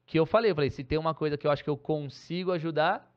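Laughing, animated man in casual chat. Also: a little high, rapid-fire. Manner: animated, laughs often, acts out courtside shouts. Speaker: podcast guest, former basketball player. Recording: slightly dull sound.

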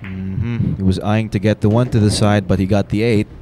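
Low-voiced man analyzing pool shots. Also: fairly even intonation, normal speed. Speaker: pool co-commentator. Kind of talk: live sports commentary. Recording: noisy live stream audio.

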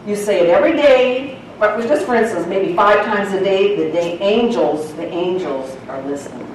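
Chatty woman bible teacher, laughs a lot, big echo, mic kinda far off w/ low hum. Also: normal speed. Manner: folksy, chatty, laughs often. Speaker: church teacher. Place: church sanctuary. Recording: echoey church hall from far off.

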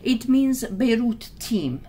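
A woman in her sixties, from Syria and raised in Lebanon, explaining her community work in an interview with many pauses and fillers. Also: on the high side, sing-song, mellow. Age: 60s. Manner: earnest, searching for words with many fillers. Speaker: guest, community organizer.

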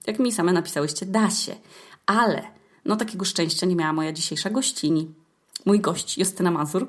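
Female podcast host, young adult, slightly low register. Informal monologue storytelling, slang-heavy, halting with hesitations. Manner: slangy, swearing, hesitant with filler sounds.

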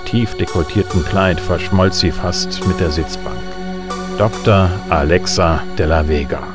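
An actor playing a cocky middle-aged bounty hunter who flirts smoothly and narrates wryly in a sci-fi audio drama. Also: male voice, deep voice. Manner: wry, laconic. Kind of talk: first-person noir narration and dialogue in German sci-fi audio drama. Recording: music behind the voice.

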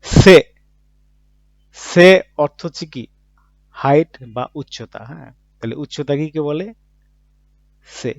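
Male language teacher, gravelly voice, explains each word with examples, asks and answers his own questions, muffled dry recording. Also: a little high, animated, slow, long pauses, dry recording. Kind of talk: vocabulary lesson in Bangla.

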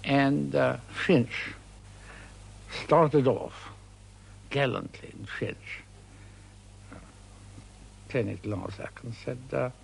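A man tells an anecdote slowly and haltingly, filling his pauses. His voice is gravelly and husky. It comes from an old 1960s archive recording. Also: medium pitch, poor audio. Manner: hesitant, with many "uh"s. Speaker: interviewee recalling events. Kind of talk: anecdotal storytelling.

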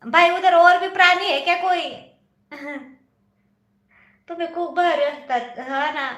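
High-voiced, bright, chatty woman livestreamer. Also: measured pace, echoey room. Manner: chatty, teasing, laughs often. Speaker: livestream host. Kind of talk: casual live chat reading viewer comments.

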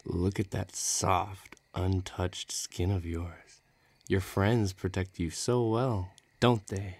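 A man performs a bloodthirsty, menacing villain craving a duel, sounding taunting and eager as he threatens in an audio roleplay. His voice is low-pitched and husky with a steady tone, slow and heavily acted.

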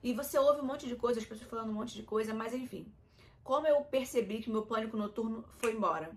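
A woman's voice: on the high side, quick pace. Brazilian woman vlogger confiding to viewers. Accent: Brazilian Portuguese. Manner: emotional, confiding, addresses viewers as "gente". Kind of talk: candid personal vlog talk.

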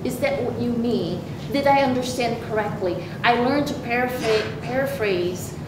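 A woman's voice: fairly high pitch, a little slow. A woman on a panel speaking carefully, correcting herself mid-word. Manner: careful, restarts words. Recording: echoey room with hum.

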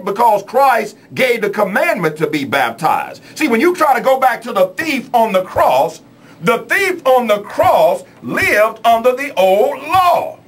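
A man's voice: extremely high pitch, fairly bright tone. A man preaching on a church radio show in a small studio, emphatic with a preacher's cadence. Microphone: studio mic.

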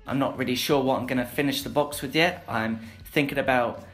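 A young man narrating a woodworking build in a relaxed voice-over, with frequent filler sounds. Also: mid-range voice, fairly quick. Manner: plain, easygoing, frequent "uh" fillers. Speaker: woodworking channel host. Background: background music.

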